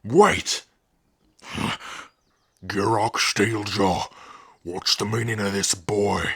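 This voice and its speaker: A man's voice: fairly low pitch, fairly even intonation, takes it slowly, a bit bright, breathy edge, full character voice. A man voicing a treacherous, cowardly orc chief in a fantasy audio roleplay, barking and imperious. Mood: commanding.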